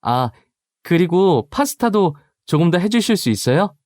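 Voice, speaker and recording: An eager, polite schoolkid chirps along in a high voice, as a man puts the kid on. The tone is bright and well-mannered. The recording is dry and close. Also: sing-song, unhurried, dry recording. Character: polite cheerful teenage schoolkid.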